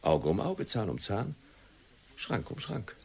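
Husky, low-voiced crime writer. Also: male voice, very animated, slow, a little mellow, exaggerated voice. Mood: musing, dramatic. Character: confident crime writer laying out his theory methodically. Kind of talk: German radio play acting.

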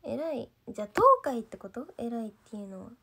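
A woman's voice: a little high, animated, fairly quick, creaky, husky. A young woman from Gifu, speaking mostly standard Japanese with a light Gifu dialect, chatting loosely with fans on a livestream and reading their comments, often losing her thread. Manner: chatty and rambling, loses her thread, fills with "nanka". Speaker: idol trainee livestreaming to fans. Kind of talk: casual livestream chat reading viewer comments.

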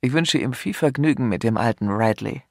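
A man voicing a smooth, wary hotel manager who speaks politely but turns sharp. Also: medium pitch, animated, a little fast, no room sound, studio quality.

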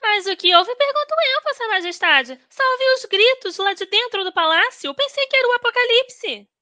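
Sassy royal maid played by a woman, very high sharp voice, Brazilian accent, comic radio play. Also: expressive, normal speed, exaggerated voice. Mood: mock-alarmed. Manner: sarcastic, cheeky. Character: insolent, sassy royal maidservant, complaining to her king. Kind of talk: comic audio drama acting.

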